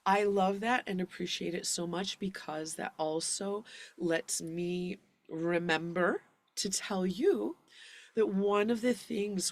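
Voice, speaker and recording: A woman teaching singing in a live online lesson, guiding breathing and relaxation in a gentle, encouraging way. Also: mid-range voice.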